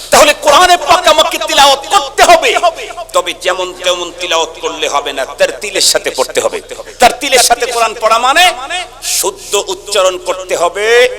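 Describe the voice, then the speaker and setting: A man from Bangladesh with a Bangladeshi Bengali accent preaching a waz sermon to a large gathering. He talks in a sing-song chant that swings from soft talk to shouts, and he keeps pressing the listeners to answer back. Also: high-pitched, lively intonation, moderate pace. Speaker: Islamic preacher. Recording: live sermon with crowd noise.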